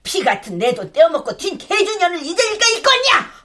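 A woman's voice: extremely high pitch, big pitch swings, brisk, bright, forceful tone, exaggerated voice. Actress as a rambling old grandmother with dementia. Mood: accusing. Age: older. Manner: rambling, accusing, sing-song. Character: confused elderly grandmother with dementia, blunt and scolding. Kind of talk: TV or radio drama acting.

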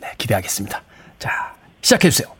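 A man's voice: fast, whispered. A man hosting a radio show from the studio, playful and laughing often as he talks with listeners. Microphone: studio microphone.

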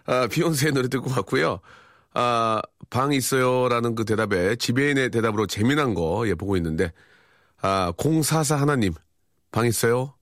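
Lively chatty male radio host. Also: medium pitch, normal speed, no echo, studio quality. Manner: lively, chatty, reads messages aloud with wry reactions. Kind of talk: casual on-air chat reading listener messages.

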